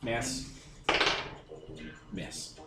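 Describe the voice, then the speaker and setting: A man narrating as game master of a tabletop role-playing game in a casual, profane way. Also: drawn-out words. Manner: profane, informal. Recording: echoey room, faint background noise.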